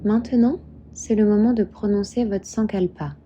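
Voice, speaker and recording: A woman guiding a meditation as a yoga instructor, calm and soothing, giving measured instructions. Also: medium pitch. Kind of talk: guided meditation narration. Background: soft background music.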